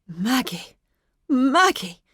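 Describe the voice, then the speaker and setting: A woman's voice: sits high, sing-song, drawn-out words, sharp tone, slightly rough, dry recording, clean studio sound, pitched above the performer's own voice, exaggerated voice. A woman playing a fretful, complaining country mother. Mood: coaxing, fretful. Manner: fretful, plaintive scolding.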